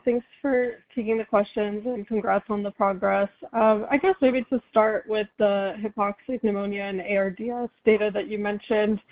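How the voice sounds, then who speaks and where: Female analyst, noticeable vocal fry, flat intonation, conversational questioning heard through a telephone. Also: mid-range voice. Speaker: financial analyst asking questions. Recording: thin phone line.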